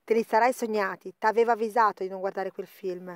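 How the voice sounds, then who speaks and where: A woman's voice: medium pitch, steady tone, brisk, lightly acted. A woman playing a young, caring and practical older sister in a cartoon fandub. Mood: chiding, caring.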